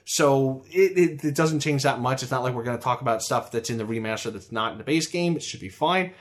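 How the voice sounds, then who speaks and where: A man's voice: mid-range voice, a little fast. A man co-hosting a podcast in casual chat, rambling and hesitant with lots of laughter. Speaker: podcast co-host.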